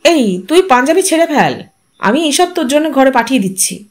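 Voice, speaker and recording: A woman voicing a brisk, insistent middle-aged lawyer brother in an audio story, speaking emphatically. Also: sits high, sing-song. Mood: brisk, businesslike. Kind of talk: audio story character reading.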